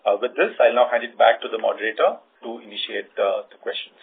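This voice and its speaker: An Indian-accented man reads company financial results in a formal, measured, scripted style as an executive. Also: mid-range voice, slightly rough. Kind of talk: formal scripted earnings report. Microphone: conference call line. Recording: muffled phone-like conference call line.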